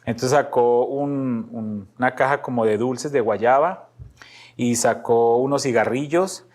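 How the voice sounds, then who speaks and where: Speaking in a darkish, mid-range voice at a measured pace, a middle-aged pastor from Medellín recounts his life in a laid-back storytelling interview. His Colombian Paisa (Antioquia) accent comes through as he laughs a lot, repeats himself, and acts out quotes.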